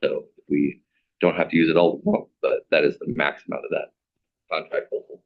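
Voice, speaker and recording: A man with a raspy voice giving a formal staff presentation as a program manager. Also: extremely low pitch, level tone, fairly quick. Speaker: city stormwater program manager. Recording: dull, band-limited meeting audio.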